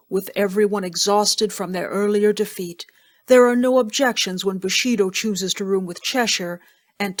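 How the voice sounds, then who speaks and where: A woman reading scripted narration for an audio drama in a measured, descriptive storytelling manner. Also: medium pitch.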